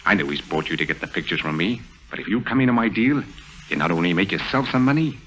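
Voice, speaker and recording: A scheming racketeer from an old radio drama, speaking in a very deep voice with a hard, forceful edge. He gives orders in short clipped lines and makes his offers sound calm. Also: fast talker, rough recording. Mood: smooth scheming. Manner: clipped, commanding, coolly persuasive. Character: scheming middle-aged racket boss, calm and menacing.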